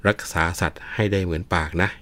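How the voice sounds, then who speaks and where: A man's voice: fast, a bit bright, natural voice. A man voicing a shrewd woman matchmaker who bargains for her reward. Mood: bargaining.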